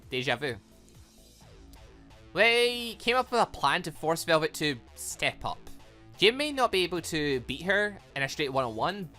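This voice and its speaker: An excitable gaming YouTuber reading a visual novel aloud and commenting on it in an animated, exclaiming manner. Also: mid-range voice. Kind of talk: let's play commentary mixed with reading dialogue aloud. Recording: music behind the voice. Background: video game music.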